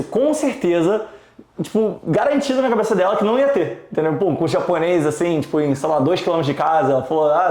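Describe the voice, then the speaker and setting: Higher-voiced man, echoey room. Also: darkish tone. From Rio de Janeiro, Brazil. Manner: reflective storyteller, many fillers and restarts. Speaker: podcast guest, startup founder. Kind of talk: casual interview chat.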